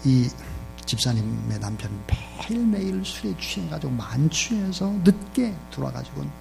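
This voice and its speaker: Male pastor preaching hard, mid pitch, gets the crowd to repeat after him. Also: big pitch swings, normal speed, creaky, noisy background. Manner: emphatic preaching, has congregation repeat phrases. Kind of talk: sermon.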